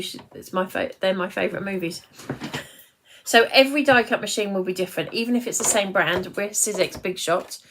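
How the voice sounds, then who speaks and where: A British woman of nearly fifty presents a craft tutorial in a slightly low-pitched voice. She talks casually and wanders between instructions and chat with viewers. There is some light noise behind her. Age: late 40s, nearly fifty. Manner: chatty, rambling, breaks off to greet viewers.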